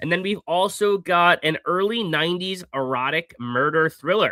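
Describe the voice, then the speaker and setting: Male speech, bright and sharp in tone with lively intonation, dry and close with no echo, on a very clean recording with a silent background. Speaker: horror movie YouTuber. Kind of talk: casual live chat. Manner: many filler words, um and uh; casual, unscripted.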